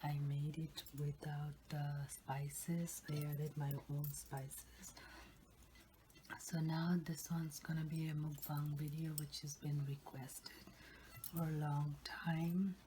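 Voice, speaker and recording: A woman hosting an ASMR eating video, talking in a soft, unvoiced whisper close to the microphone. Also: low-pitched, level tone, slow pace, slight background noise. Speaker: ASMR channel host.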